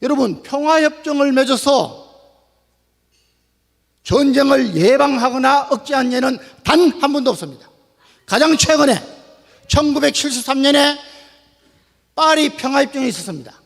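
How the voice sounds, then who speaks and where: An older man giving a rousing, booming political speech to an audience, emphatic and drawing out his phrases. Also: creaky. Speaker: public speaker, retired general. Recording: long hall reverb.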